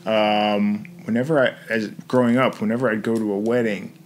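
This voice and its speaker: A man's voice: lowish voice, level tone, normal speed. A man hosting a casual interview in his kitchen, friendly and affirming, often chiming in with agreement. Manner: friendly, affirming, many yeahs. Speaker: podcast host.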